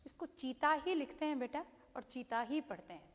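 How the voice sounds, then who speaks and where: A woman's voice: high voice, lively intonation, moderate pace, in a large hall. A woman teaching children, patiently repeating and spelling words out, checking in with them often. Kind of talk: children's vocabulary lesson.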